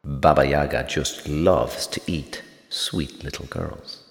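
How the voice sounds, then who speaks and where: A man reading aloud and voicing a thin black cat who talks in a soft, wry hiss, in an echoey room with a long reverb. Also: extremely low pitch, steady tone, takes it slowly, pitched below the performer's own voice, heavily acted.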